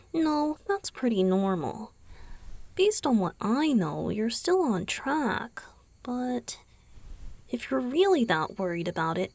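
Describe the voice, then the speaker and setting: A woman voicing a gentle, caring young male vampire boyfriend in an ASMR roleplay, soft-spoken and often whispery, with murmured hums. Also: lowish voice, dry recording, full character voice. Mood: calm, examining.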